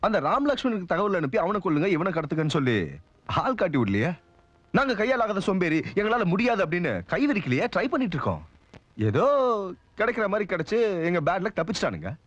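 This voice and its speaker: A swaggering, sarcastic police officer in a dubbed action film. His voice sits high and leaps about as he mocks the people around him. The sound is dry and close. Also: quick pace, no echo, highs cut off. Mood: mocking. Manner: mocking, swaggering, lively delivery. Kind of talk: Tamil film dub dialogue.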